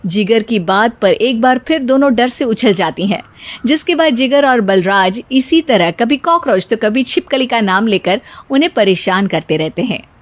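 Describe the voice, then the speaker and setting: A woman giving scripted narration for a cartoon story, steady storytelling. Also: fairly high pitch, normal speed, no echo.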